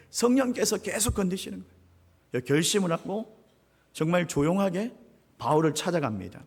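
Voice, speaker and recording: Korean pastor preaching, fairly high voice, lots of swing, big church echo. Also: male voice, gravelly. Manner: storytelling, lively, addresses congregation directly. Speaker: senior pastor. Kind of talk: sermon. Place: church sanctuary. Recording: reverberant church sanctuary.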